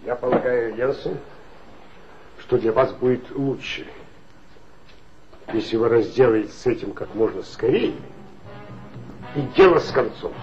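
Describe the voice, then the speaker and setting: An actor playing an authoritative male police chief in a 1960s radio play, with a smooth, insinuating, lecturing manner. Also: mid-range voice, lively intonation, unhurried, pauses often, darkish tone, faint music behind, close to an everyday voice. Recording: dull lo-fi old radio recording.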